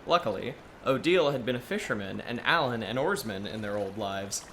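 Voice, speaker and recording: A man's voice: lowish voice, animated, fairly quick, a bit bright, slight background noise. A man playing a friendly, eager young Yeti tour guide in an audio drama, chatty and earnest as he explains things. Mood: proud, informative.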